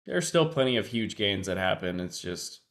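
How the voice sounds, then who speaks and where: A man with a congested, sniffly nose gives loose live-stream commentary in a fairly low voice. He talks to his viewers at a desktop mic, musing aloud and letting his sentences trail off. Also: very animated, moderate pace, fairly bright tone. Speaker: livestream trader. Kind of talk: casual livestream commentary.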